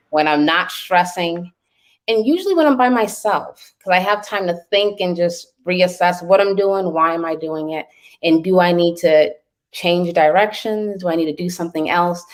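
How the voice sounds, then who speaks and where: A woman guest answering reflectively and calmly in an interview. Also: on the low side, moderate pace. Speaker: summit speaker, guest. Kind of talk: casual interview.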